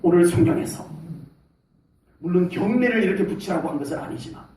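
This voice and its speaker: High-pitched, animated Korean pastor preaching. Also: male voice, brisk, slight background noise. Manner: animated, shouts military salutes, acts out soldiers. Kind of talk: sermon. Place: church sanctuary. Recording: echoey hall, mic from a distance.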